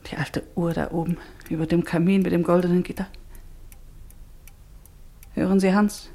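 An actress playing a weary, homesick exiled wife in a radio drama, with a hushed, wistful delivery and dramatic pauses. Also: female voice, lowish voice, level tone, natural voice. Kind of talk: mid-century German radio drama acting.

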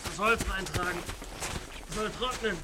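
A man playing a taciturn backwoods father in a naturalistic German radio play, gruff and terse, in clipped phrases. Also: high-pitched, steady tone, unhurried, distant mic. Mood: laconic. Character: gruff, taciturn backwoods father, beer drinker with few teeth. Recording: loud background noise, off-mic at times.

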